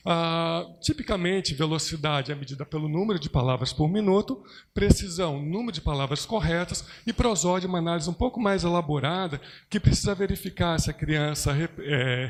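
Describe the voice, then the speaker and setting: A man presenting research at an academic conference, speaking in a measured, explanatory way with frequent hesitations. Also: on the high side.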